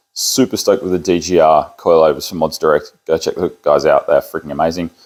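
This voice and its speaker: A man speaks with an Australian accent. He talks at a very fast pace. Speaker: car vlogger. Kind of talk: casual vlog talk.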